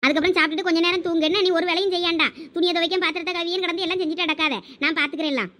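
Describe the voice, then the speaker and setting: A woman voicing a kindly, fretful mother-in-law in a cartoon who soothes and coaxes in a Thoothukudi Tamil accent, a little lower than her other voices. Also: steady tone, rapid-fire, fairly bright tone. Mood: coaxing.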